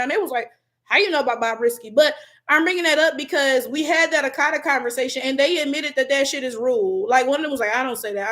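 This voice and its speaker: A woman with a Detroit accent, her voice high-pitched, a bit bright, and cracking, hangs out on a livestream reading viewer comments. As a YouTuber going through live chat, she stays loose and slangy and laughs often.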